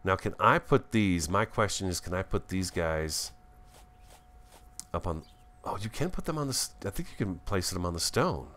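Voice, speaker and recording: Deep-voiced, animated man with a swollen tongue. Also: normal speed. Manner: chatty, thinks aloud, easily excited. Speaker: gaming video host. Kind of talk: casual gameplay commentary.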